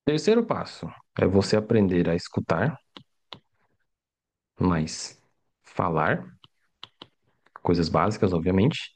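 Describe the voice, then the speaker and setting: A man's voice: low voice, very animated, slow pace, pauses often. A middle-aged man teaching a live online language lesson in a casual, chatty way, often checking in with his students. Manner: casual, chatty, keeps adding tag questions. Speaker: Mandarin teacher.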